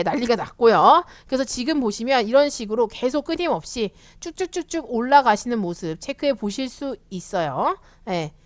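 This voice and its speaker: Chatty woman teaching the stock market, fairly high and very expressive voice, acts out quotes. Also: no echo. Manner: chatty, animated, acts out quotes of eager retail investors. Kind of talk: casual explanatory lecture.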